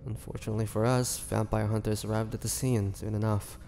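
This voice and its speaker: A man playing a weary, bitter young half-vampire prisoner in a dramatic audio roleplay, speaking haltingly and sorrowfully. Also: on the low side, flat delivery, warm tone, natural voice. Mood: somber, grieving. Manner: slow, halting, sorrowful delivery with sighs and pauses. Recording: long hall reverb, faint noise.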